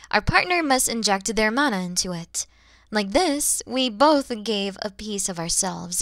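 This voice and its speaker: A woman's voice: mid-range voice, no echo, clean studio sound, exaggerated voice. A woman voicing a kind, motherly and playful dragon woman in an ASMR audio roleplay, speaking expressively and directly to the listener. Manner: expressive, teasing, gentle, addressing the listener directly.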